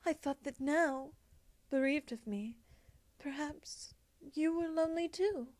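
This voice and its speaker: A woman voicing a wistful, regal winged pony princess in a storybook, speaking formally, softly and solemnly. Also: high voice, slow, pitched above the performer's own voice. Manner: formal, soft-spoken, solemn. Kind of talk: storybook character acting.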